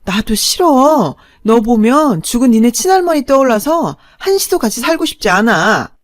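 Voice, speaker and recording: A woman voicing a harsh, domineering older mother who berates her daughter in a loud, shrill voice. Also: very animated, normal speed, no room sound, studio quality. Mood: shouting.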